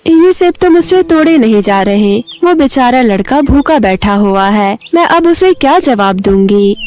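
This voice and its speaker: A woman's voice: a little high, expressive, measured pace, darkish tone, dry recording. A woman voicing a kind but feisty old village woman in a children's story, motherly, plain-spoken and firm. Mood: puzzled, concerned.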